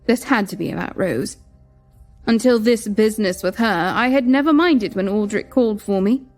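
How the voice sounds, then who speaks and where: A young woman narrating in first person as a queen, measured and reflective. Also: medium pitch, darkish tone. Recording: music bed behind.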